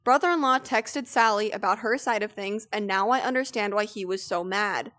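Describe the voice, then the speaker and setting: A young woman co-hosting a casual stream, reading posts aloud and telling stories with lively, profane energy. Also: medium pitch, moderate pace. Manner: animated storytelling, swears freely. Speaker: streamer, co-host.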